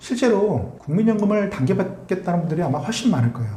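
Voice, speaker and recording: A man talks with lively intonation while noticeable background noise and audible room echo fill the recording. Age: 50s. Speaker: finance author and asset management executive. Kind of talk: interview monologue, explanatory talk. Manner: measured, with fillers.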